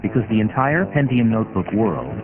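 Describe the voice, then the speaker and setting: Man, ad voice-over, very low gravelly voice, lo-fi phone-like sound. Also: sing-song, fairly quick. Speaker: ad voice-over announcer. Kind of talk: deep-voiced commercial voice-over. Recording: tinny lo-fi archive audio with loud music.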